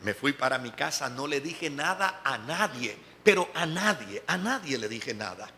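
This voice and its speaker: A man's voice: mid-range voice, sing-song, normal speed, pushed and bright, slight background noise. A man with a Dominican Spanish accent, a pastor giving a sermon as a personal testimony, telling his story and acting out the voices of the people in it. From Dominican Republic. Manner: storytelling, acting out quoted dialogue. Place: church service.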